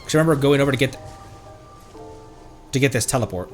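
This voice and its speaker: A man's voice: medium pitch, quick pace. A man giving casual, playful live commentary as he plays a video game, mimicking game lines now and then. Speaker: streamer playing a video game. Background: game music.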